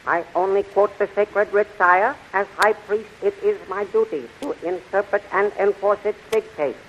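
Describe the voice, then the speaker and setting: An actor playing a solemn alien high priest in a 1930s radio serial, ceremonial and declamatory. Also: male voice, fairly even intonation, normal speed, a little hiss or hum, close to an everyday voice. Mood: stern. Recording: muffled 1930s radio recording.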